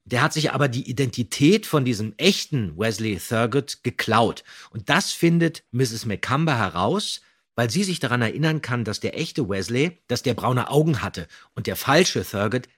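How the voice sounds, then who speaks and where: A man's voice: mid-range voice, lively intonation, moderate pace, fairly bright tone, slightly rough. A man co-hosting a podcast, retelling and discussing a story in a casual way. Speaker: podcast co-host.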